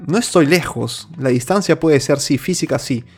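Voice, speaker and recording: A man's voice: a little high, moderate pace, a little mellow, slightly rough, faint music behind. A man from Peru hosting his own opinion show, speaking earnestly with many restarts and fillers. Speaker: host. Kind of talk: opinion monologue.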